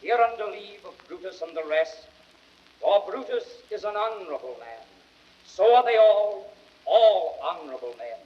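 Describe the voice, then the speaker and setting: An actor playing a grieving, slyly ironic Roman orator, delivering a measured, impassioned speech in classical Shakespearean radio-drama style. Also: male voice, sits high, animated. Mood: pointed irony. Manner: declamatory, measured, rhetorical. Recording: dull vintage record sound.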